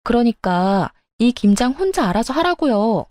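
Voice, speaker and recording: A woman's voice: fairly high pitch, very animated, moderate pace, no echo. A woman playing a fed-up young wife who talks back sharply to her in-laws, in a story radio drama. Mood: defiant. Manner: sharp, retorting.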